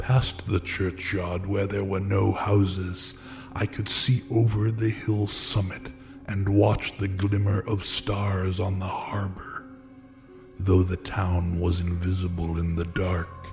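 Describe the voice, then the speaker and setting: A man speaks very slowly in a very deep, low pitch with monotone, flat intonation. Music plays in the background. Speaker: radio show host. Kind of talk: horror story reading.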